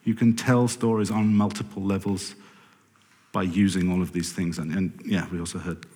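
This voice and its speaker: A man's voice: low voice, flat delivery, normal speed, darkish tone. Rambling man talking in a hall. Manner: rambling, self-correcting, wry asides. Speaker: podcast producer giving a talk. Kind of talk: conference talk. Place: lecture hall with audience. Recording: reverberant hall.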